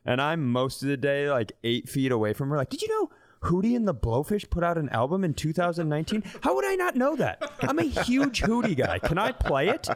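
A man's voice: a little high, huge pitch swings, brisk, few pauses. A man in his mid-thirties co-hosting a comedy podcast, telling casual, blunt stories with swearing and acted-out quotes. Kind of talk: animated casual comic storytelling.

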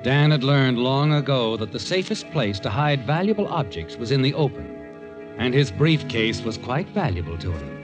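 A knowing male narrator played by an actor tells an old radio crime tale. His mid-pitched voice moves expressively through measured, dramatic phrasing, with music behind it. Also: sing-song, lightly acted. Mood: knowing, suspenseful.

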